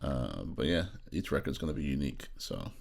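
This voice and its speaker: A man narrating a software tutorial as an audio engineer, informal and thinking aloud as he demonstrates. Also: very deep voice, big pitch swings, a little fast, gravelly. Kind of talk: casual screen-recorded tutorial narration.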